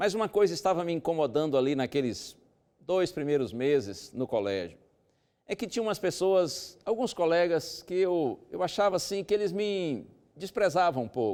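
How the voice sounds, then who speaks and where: A man's high voice with a northeastern Brazilian accent, lively intonation and a moderate pace, on a very clean recording with a silent background. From Bahia, northeastern Brazil. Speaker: pastor. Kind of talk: storytelling. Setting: studio. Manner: animated.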